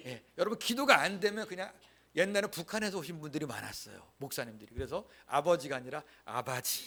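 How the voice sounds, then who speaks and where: A man's voice: on the high side, quick pace, vocal fry, a bit bright. A male pastor preaching a Sunday sermon in a church, repeating key phrases emphatically and leading the congregation to say lines aloud with him. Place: church sanctuary.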